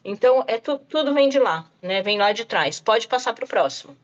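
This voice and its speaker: The audio is muffled as this woman, a literacy specialist, lectures educators online at a normal pace. Her pitch sits fairly high and her intonation is lively, and she speaks directly to listeners with frequent "tá?" and "né?".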